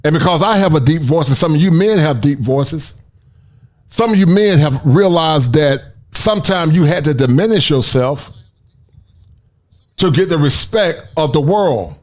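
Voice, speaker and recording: A man's voice: on the high side, lively intonation, unhurried. A man giving earnest, preachy commentary aimed straight at other men. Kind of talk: motivational commentary to the camera.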